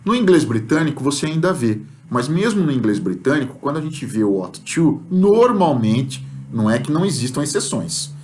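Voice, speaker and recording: A man's voice: on the high side, moderate pace, few pauses, a little hiss or hum. A Brazilian man teaching an English class in Portuguese, explaining step by step and acting out example sentences, often checking in with "tá?". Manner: explanatory, frequent "tá?" check-ins; lively, acts out example sentences. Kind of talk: recorded remote class lesson.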